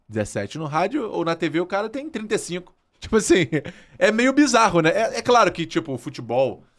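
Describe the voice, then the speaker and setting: A man's high-pitched voice at a moderate pace, with very wide pitch swings against a quiet background. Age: 20s. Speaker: sports radio narrator and presenter; podcast guest, sports narrator. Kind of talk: casual podcast interview. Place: studio. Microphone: studio mic.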